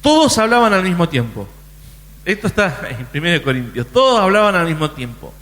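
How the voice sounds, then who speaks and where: A man's voice: high-pitched, sing-song, brisk, fairly bright tone, big-room sound. A man preaching a sermon in a conversational way, often restarting his sentences. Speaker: pastor.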